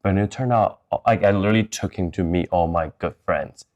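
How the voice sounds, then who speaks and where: Deep-voiced man, candid storyteller. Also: fairly quick, darkish tone, lo-fi sound. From Taiwan, moved to Chicago. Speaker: interview guest.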